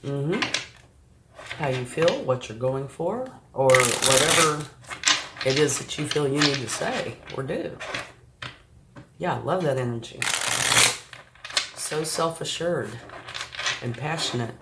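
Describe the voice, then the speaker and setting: A woman reads tarot cards for her viewers in a slow, unhurried way, with a gravelly edge to her voice. She sounds a little sniffly and keeps checking in with reassuring little asides. The room around her is echoey, with faint noise and cards shuffling in the background. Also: a bass voice, expressive. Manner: reassuring, addresses the viewer directly, frequent "okay" and "right". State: sniffly from a recent flu. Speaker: tarot reader.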